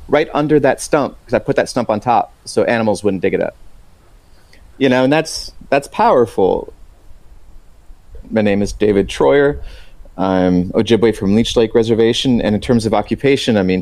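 A man who writes and teaches talks casually in an interview. His voice is low and gravelly. He tells his story in a relaxed way, recorded dry with no room sound. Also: no echo.

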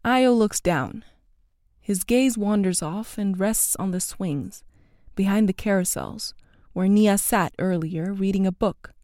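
A woman from the Netherlands reading a story as an audio storyteller, measured and even. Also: medium pitch, dry recording, studio quality. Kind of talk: scripted narration.

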